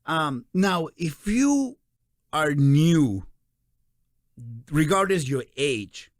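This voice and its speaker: A man in his forties with a Peruvian Spanish accent, hosting a casual interview in an animated, encouraging way. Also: a little high, very slow, dry recording, clean studio sound. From Peru. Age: 40s. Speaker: interview host.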